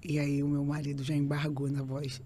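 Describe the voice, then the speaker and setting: Speaking fairly quickly in a dark, monotone, slightly low voice, a woman guest on a podcast gives an emotional faith testimony. She often repeats phrases and acts out the voices of the characters she describes. A faint hiss sits beneath the recording.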